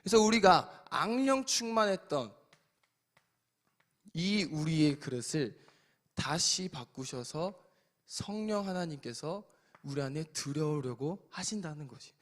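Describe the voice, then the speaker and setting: Animated Korean pastor preaching. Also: male voice, on the high side, measured pace. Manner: animated preaching with sudden loud and soft swings. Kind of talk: sermon. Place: church sanctuary.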